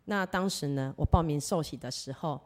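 Speaking at normal speed in a low, darkish voice, a Taiwanese woman gives her faith testimony as a church member. She tells it in an earnest storytelling manner, performing the dialogue she quotes.

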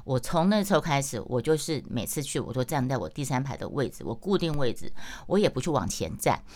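A woman's voice: extremely low pitch, very animated, brisk, a little mellow. A middle-aged woman, hosting a livestream. She tells stories in casual chat, acts out the dialogue in changing voices and pokes fun at herself. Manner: self-mocking, chatty. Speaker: livestream host.

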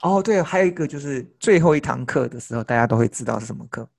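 A man from Taiwan co-hosting a podcast, casually recalling high school days. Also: animated, normal speed, gravelly, a little mellow. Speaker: podcast co-host. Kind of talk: casual chat lesson.

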